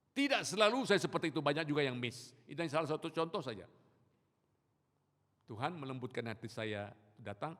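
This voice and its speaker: A male pastor gives a sermon in a church sanctuary, his voice trailing a long reverb through the hall. He tells stories in a calm middle register, then climbs to loud, emphatic preaching. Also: medium pitch. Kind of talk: sermon with storytelling.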